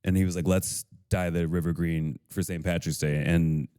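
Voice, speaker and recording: A man from Chicago co-hosting a podcast, telling rambling stories quickly and swearing a lot in casual chat. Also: low voice, fairly even intonation, warm tone, clean tone, no echo, studio quality. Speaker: podcast co-host.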